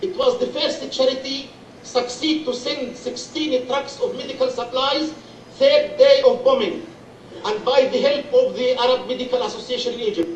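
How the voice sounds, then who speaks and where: A man's voice: very high voice, fairly even intonation, normal speed, a little hiss or hum. A man from Gaza with a Palestinian Arabic accent, giving an earnest public speech and listing his points by number. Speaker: charity speaker. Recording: echoey hall, distant mic.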